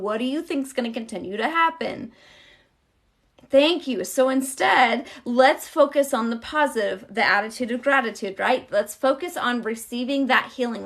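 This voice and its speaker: Chatty woman hosting a card reading. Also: on the high side. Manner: chatty, addresses viewers directly with y'all; calm, encouraging when giving guidance. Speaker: tarot card reader. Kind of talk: live-streamed card reading and casual chat.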